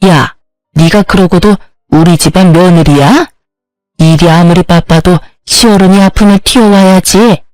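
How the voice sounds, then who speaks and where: A woman's voice: lowish voice, unhurried, darkish tone, no echo, soft background music, lightly acted. A woman voicing a harsh older mother-in-law who berates and insults her daughter-in-law in an audio story. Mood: scolding.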